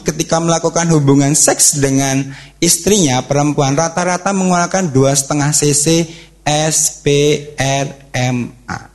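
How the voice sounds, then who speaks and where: A man gives a religious talk to teens and their parents. His voice sits a little high and swings widely as he asks the room questions. He talks in a lively, way. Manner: animated, acts out quotes and cheers, asks the audience questions. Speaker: youth counselor giving a talk.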